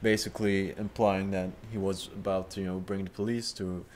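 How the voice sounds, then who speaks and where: A young man with a slightly low voice hosts an unscripted chat. He rambles loosely, stacks up fillers and restarts, and swears in passing. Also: level tone, a little fast, a little hiss or hum. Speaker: host. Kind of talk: improvised casual commentary.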